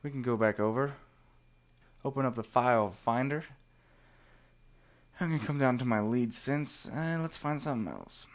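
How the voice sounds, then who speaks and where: A man narrating a software tutorial informally, explaining things step by step. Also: mid-range voice, normal speed, long pauses. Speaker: tutorial presenter.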